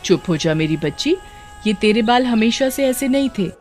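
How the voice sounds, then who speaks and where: एक औरत बच्चों की कहानी में गांव की एक चिंतित, प्यार करने वाली माँ की आवाज़ कर रही है, जो बेटी को दिलासा देती है।. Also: female voice, a little high, animated, normal speed, a little mellow, soft background music, voice pushed up, natural voice. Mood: comforting. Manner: comforting, stammering when shocked. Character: worried loving village mother. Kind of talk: children's storybook voice acting.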